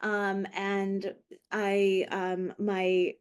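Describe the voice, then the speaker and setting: A woman's voice: medium pitch, monotone, extremely slow, a little mellow, clean tone. A woman who grew up in Los Angeles after coming from Lebanon, co-hosting a podcast in a reflective, hesitant way with many fillers and restarts. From Lebanon, raised in Los Angeles. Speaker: podcast co-host. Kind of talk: casual conversational podcast.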